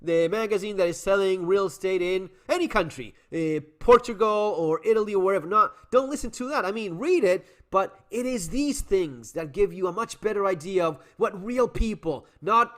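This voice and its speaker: Brief: male host with a slightly high voice, emphatic and lively, swears casually while reacting to what he reads. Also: moderate pace, hardly any pauses. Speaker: channel host. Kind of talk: casual commentary reading online comments.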